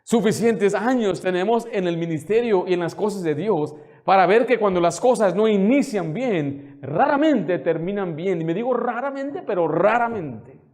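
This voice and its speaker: A man's voice: high-pitched, expressive, moderate pace, a little mellow. A man pastor preaching a sermon, fervent and indignant, firing rhetorical questions at the congregation. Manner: indignant, scolding.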